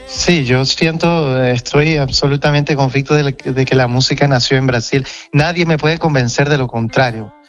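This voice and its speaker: A man's voice: medium pitch, steady tone, normal speed, hardly any pauses, muffled recording, soft background music. A man from Portugal with a Portuguese accent, a singer speaking as an interview guest, reflective and searching for words with frequent restarts. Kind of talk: reflective conversational interview answers.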